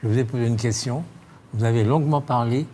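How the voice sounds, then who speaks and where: A man's voice: mid-range voice, fast, warm tone. A man hosting a political interview show, formal but pointed in his questioning. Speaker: television host interviewing a guest. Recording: clear background noise.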